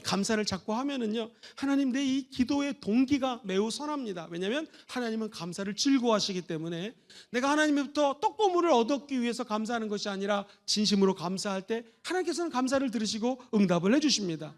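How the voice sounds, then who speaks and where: A middle-aged man from Seoul preaching a church sermon as pastor, moving between loud exhortation and soft, intimate asides. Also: very high voice, lively intonation, fast. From Seoul, South Korea. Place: church sanctuary.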